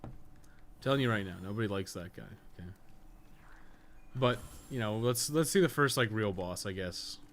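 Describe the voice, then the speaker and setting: Low-pitched man casually streaming a game. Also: animated, moderate pace, long pauses. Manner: rambling, frequently swearing, slangy. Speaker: livestreamer, podcast co-host. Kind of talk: casual gaming stream commentary. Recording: noticeable background noise.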